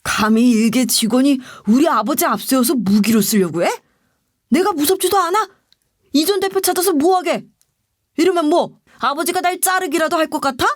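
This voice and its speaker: A bullying male boss barks orders and belittles his workers, voiced by a woman reading a story aloud. The voice sits fairly high and the sound is close and dry, with no room around it. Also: moderate pace, dry recording, natural voice. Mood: scornful. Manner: rude, scornful, talks down.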